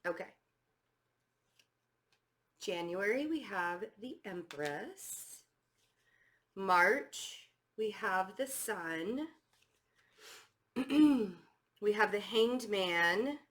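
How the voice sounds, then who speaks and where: Hoarse, stuffy-voiced woman tarot reader. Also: medium pitch, lively intonation, extremely slow, pauses often. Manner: chatty, many fillers and restarts. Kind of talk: casual tarot reading.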